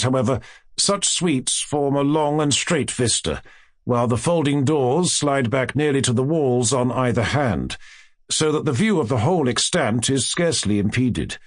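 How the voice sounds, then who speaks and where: A man reading a classic horror tale as an audiobook narrator, in a measured, theatrical storytelling manner with careful phrasing. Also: medium pitch, no echo, clean studio sound. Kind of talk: dramatic literary horror narration.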